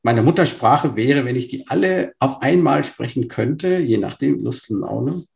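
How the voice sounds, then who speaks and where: A man's voice: mid-range voice, lively intonation, measured pace, vocal fry, a little mellow. A man in his fifties, born in Burma, telling his life story as an interview guest, hesitant with many fillers and restarts. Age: 50s.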